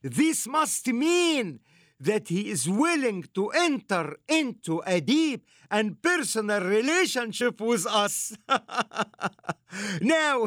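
Fervent high-pitched preaching man. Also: a bit bright, no room sound, studio quality. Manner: fervent, sing-song preaching delivery. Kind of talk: preaching and promoting his book.

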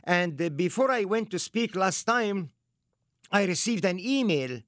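Fervent high-pitched preaching man. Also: animated, unhurried, a bit bright, no echo, clean studio sound. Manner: fervent, sing-song preaching delivery. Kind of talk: preaching and promoting his book.

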